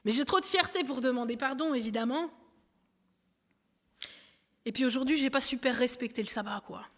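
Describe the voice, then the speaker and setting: A woman giving a lively, conversational sermon, talking through an illustration with a helper and the congregation. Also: high-pitched, normal speed. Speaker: preacher. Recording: long hall reverb.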